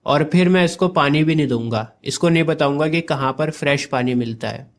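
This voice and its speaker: A man's voice: a little high, a little fast, lightly acted. A man voicing vengeful island monster Caliban.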